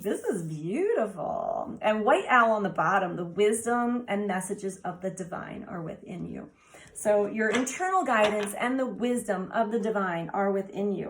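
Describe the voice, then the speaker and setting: A card reader with a mid-range voice made raspy by laryngitis does an oracle card reading for viewers. She exclaims eagerly over the cards in a soft, meandering way.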